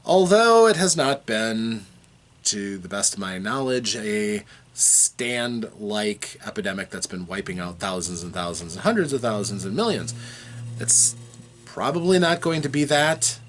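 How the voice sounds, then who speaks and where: A man chats casually with his audience from a home basement, wandering through his thoughts with lots of fillers and restarts. His pitch rises and falls in a lively way, and the voice still carries some roughness from a cold he is getting over. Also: a little slow, a little hiss or hum. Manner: rambling, hesitant, with frequent fillers and restarts. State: recovering from a cold, slightly rough voice. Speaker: vlogger. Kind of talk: casual chat to camera.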